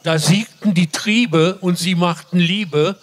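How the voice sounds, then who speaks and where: An older man, a grandfather, reading his limericks aloud in a slow, deliberate way. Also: high-pitched. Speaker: limerick reader.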